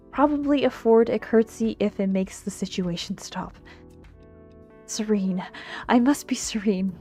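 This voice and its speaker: A woman voicing a prim, wry young villainess from a visual novel, with formal, measured diction. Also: mid-range voice, warm tone, lightly acted. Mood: dismissive, then forced calm. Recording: music behind the voice.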